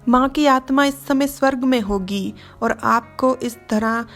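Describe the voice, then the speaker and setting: Woman voicing a gentle young man, soft, comforting, storybook reading. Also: a little high, a little slow, faint music behind. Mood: tender. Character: gentle devoted young husband.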